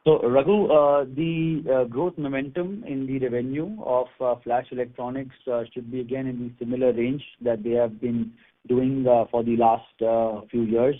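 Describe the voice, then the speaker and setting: Indian executive on a phone line. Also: male voice, medium pitch, steady tone, moderate pace. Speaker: company executive answering analysts. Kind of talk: earnings call answers. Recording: phone-like conference call line.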